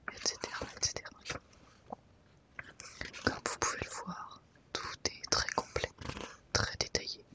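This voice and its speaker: A woman presenting an ASMR video in a soft, breathy whisper, with gentle, unhurried and careful phrasing. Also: poor audio. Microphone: microphone set slightly off to the side.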